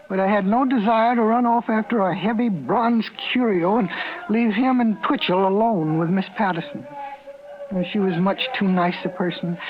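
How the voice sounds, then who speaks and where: A man's voice: high-pitched, background noise. A man playing a timid, fussy store clerk who narrates a 1950s radio drama, hesitant and stammering. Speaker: lead actor and narrator. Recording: tinny old radio broadcast with music.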